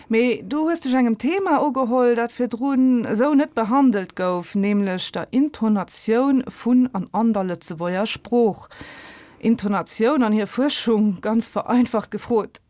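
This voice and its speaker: A woman's voice: medium pitch, darkish tone, no echo. A woman with a Luxembourgish accent hosting a radio talk show, asking questions in a hesitant, friendly way. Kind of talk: studio interview, asking questions. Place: radio studio.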